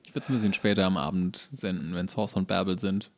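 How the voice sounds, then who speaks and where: A man in casual comedic chat as a podcast co-host, dry and halting, rephrasing his points. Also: low voice, vocal fry.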